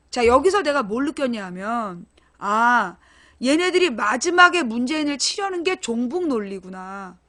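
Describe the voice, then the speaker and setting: A woman with a high voice hosts a live-streamed political talk show. She speaks bluntly and casually, pressing her points and calling on her chat viewers to answer. Her delivery is emphatic and direct. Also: fairly bright tone. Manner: talks directly to chat viewers, asks them questions; blunt and emphatic, informal speech.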